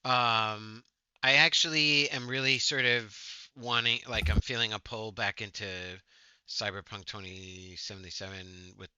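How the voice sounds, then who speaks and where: A laid-back man chats on a podcast with a very bright, forceful tone. His mic sounds dull and lo-fi, with a dry sound and no room around it. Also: on the low side, steady tone, unhurried, clear, resonant tone, dry recording. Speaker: podcast co-host. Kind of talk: casual chat.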